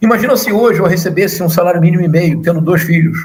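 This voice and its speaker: A man talks at a very fast pace with a high pitch. The room echo is audible. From Brazil, Rio de Janeiro. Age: 60s. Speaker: professor. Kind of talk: interview. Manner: animated.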